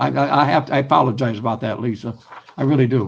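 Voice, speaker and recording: A man talks very fast with vocal fry. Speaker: political livestream host. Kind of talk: live stream commentary reading viewer comments. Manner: halting, many repetitions and fillers.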